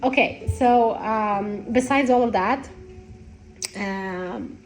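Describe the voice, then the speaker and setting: A woman with a congested, nasal voice giving unscripted spiritual talk to followers in a halting, rambling way. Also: mid-range voice, soft background music. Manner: halting, rambling, repeats phrases. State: congested with a cold. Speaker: spiritual content creator.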